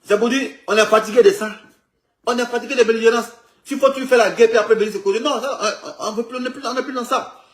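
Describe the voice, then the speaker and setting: A man's voice: extremely high pitch, fast talker. Rambling man in an echoey room. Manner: animated, repetitive, stumbling restarts. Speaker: political commentator. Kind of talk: rambling commentary on a photo.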